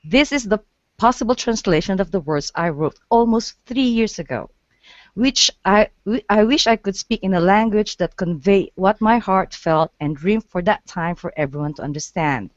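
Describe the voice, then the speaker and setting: A woman's voice: medium pitch, animated, no room sound. Woman reading her poem, dull line. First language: Portuguese. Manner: earnest, halting, restarts words. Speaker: guest poet.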